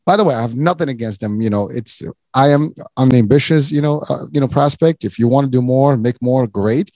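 A man's voice: medium pitch, fairly quick, dark tone, dry recording, clean studio sound. A man from Morocco hosting an interview, talking in a casual, rambling way with many restarts and asides. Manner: rambling, many restarts and "you know", chuckles often. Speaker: podcast host.

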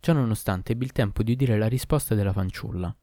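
A man narrates a tale in the first person with a steady, measured delivery. His voice is low and mellow, recorded close and dry. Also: no room sound.

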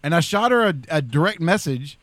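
A man's voice: a little high, lively intonation, a little fast, a bit bright, no echo. A man hosting a casual podcast chat, rambling and often restarting his sentences. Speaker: podcast host.

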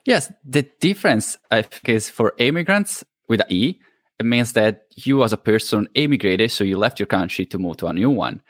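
Man, Italian accent with a kiwi mix, not a native speaker, halting, searches for words, lowish voice, dry sound. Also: expressive, no echo. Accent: Italian, mixed with New Zealand English. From Italy. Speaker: guest, podcast host. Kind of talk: casual interview.

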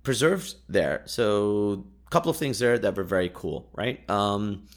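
A young man with a fairly low voice recounts his travels in a relaxed, rambling way. Urdu is his first language, and he leans on fillers and quick laughs as he goes. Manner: chatty, laughs often, many fillers and restarts. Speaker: podcast host. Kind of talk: casual travel storytelling.

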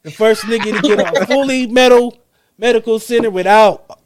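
A man's voice: high-pitched, slight background noise. A man hosting a rowdy podcast chat, reading out a comic list with hyped jokes and laughs. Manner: hyped, joking, quick bursts with laughs. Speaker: podcast host. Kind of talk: comedic segment in a group podcast chat.

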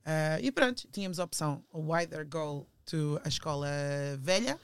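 A woman's voice: sits low, animated, moderate pace, smooth. A woman in her forties with a European Portuguese accent, chatting as a podcast guest over a remote call, laughing often and slipping into English phrases. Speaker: guest, teacher. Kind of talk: casual interview chat. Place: home in London. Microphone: remote call microphone.

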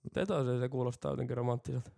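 A man's voice: mid-range voice, gravelly, dark tone. A middle-aged man co-hosting a casual podcast, dry and blunt, swearing freely. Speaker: podcast co-host. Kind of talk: casual chat.

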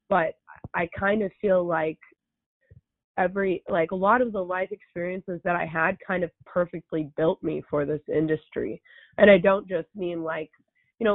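Hoarse Californian woman with a creaky, raspy voice. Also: deep voice, dry recording. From United States, San Fernando Valley in California. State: hoarse, losing her voice. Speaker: podcast guest. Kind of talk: candid interview conversation. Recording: thin, phone-like sound.

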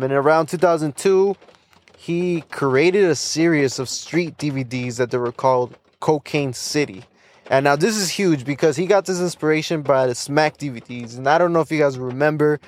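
A young man hosts a casual solo podcast, his voice on the high side and his pace normal. He rambles loosely, with lots of fillers, restarts and little laughs.

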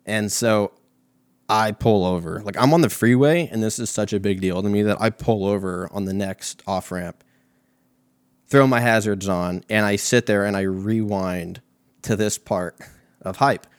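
A man's voice: fairly low pitch, measured pace, clear, resonant tone, dry recording. A young American man hosting a comedic monologue, telling stories in a rambling, profane, slangy way. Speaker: host of a comedic talk show.

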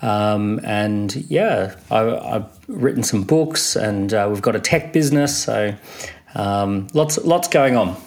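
A man's voice: lowish voice, animated, slow pace, darkish tone. A man, answering conversationally as an entrepreneur guest in an interview. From Australia.

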